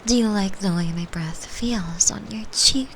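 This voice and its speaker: A woman voicing a gentle, lonely extra-dimensional being who comforts a human in an intimate ASMR roleplay, speaking softly and breathily, often dropping into a whisper. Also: mid-range voice, slight background noise, natural voice. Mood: soothing, tender. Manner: soft, breathy, often whispered, soothing and unhurried.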